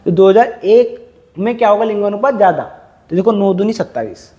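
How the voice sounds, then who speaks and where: A man with a high, soft, mellow voice teaches a class live. He fires questions at the students and repeats figures over and over to drill them in. He is heard through a lapel mic. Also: brisk, dull audio. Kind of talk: classroom lecture.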